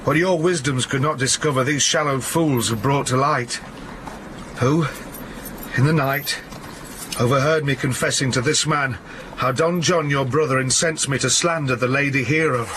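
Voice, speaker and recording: A man's voice: mid-range voice, moderate pace, noisy background, natural voice. An actor playing a servant confessing his plot in a stage drama, earnest. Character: male conspirator servant, confessing.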